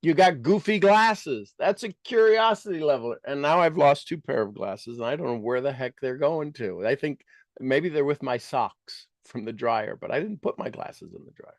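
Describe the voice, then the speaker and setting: In a motivational talk, a man coaching on business asks rhetorical questions, repeats lines emphatically, and pauses deliberately. He sounds animated and fairly high-pitched on a dry recording.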